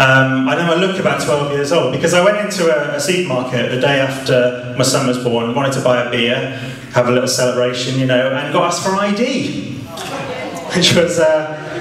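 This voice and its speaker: Audible room echo surrounds a man speaking at a fairly quick pace with ordinary pitch variation. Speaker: reporter trying stand-up comedy. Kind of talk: stand-up comedy set. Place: stage.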